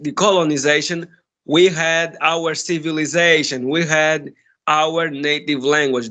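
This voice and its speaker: Friendly Angolan man, higher voice. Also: bright, forceful tone. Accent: Angolan Portuguese. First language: Portuguese. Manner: friendly, thoughtful, laughs often. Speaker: conversation partner. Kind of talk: casual chat.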